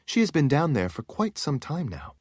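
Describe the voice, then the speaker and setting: A calm sister of an order, as a male narrator puts her on explains things steadily in a lifted voice. The audiobook sound is dry and close. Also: on the high side, moderate pace, breathy edge, no echo, pitched above the performer's own voice. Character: calm older nun woman.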